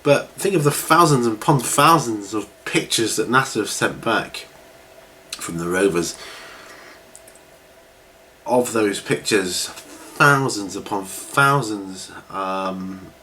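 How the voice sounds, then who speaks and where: A man's voice: fairly low pitch, animated, slow pace, pushed and bright. A middle-aged man with a slightly congested voice, chatting casually and in a rambling way as the host of a video series. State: recovering from a cold, with a cough. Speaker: host of a hobby question-and-answer video series. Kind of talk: casual chat to camera. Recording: clearly noisy home recording.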